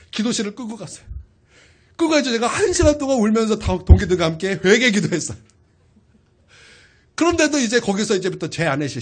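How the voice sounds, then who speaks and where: A male pastor preaching a sermon, telling a personal story in an animated way and asking the congregation questions. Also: high-pitched, slightly rough.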